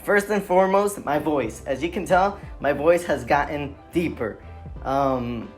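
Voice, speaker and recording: A man's voice: on the high side, unhurried, soft background music. A young trans man talking casually and reflectively in a vlog update, with many "like" and "um" fillers. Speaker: vlogger.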